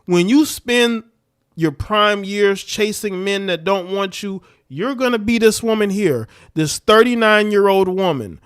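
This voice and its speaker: On a livestream, a male host reacts to the clips he plays, ranting bluntly in a scornful, lecturing tone. His voice is smooth and fairly bright, sitting a little above the usual male range.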